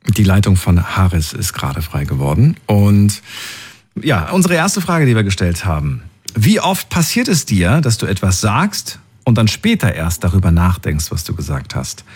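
Moderator mit lebhafter, belegter Stimme. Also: male voice, lowish voice, darkish tone, breathy edge. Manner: reads out listener polls and messages. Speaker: radio call-in host. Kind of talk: late-night call-in radio show. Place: radio studio.

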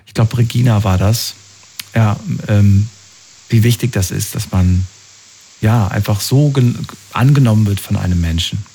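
A man hosting a call-in radio show, giving callers empathetic advice and coaxing them with questions that swing up in pitch. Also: unhurried, warm tone, slight background noise.

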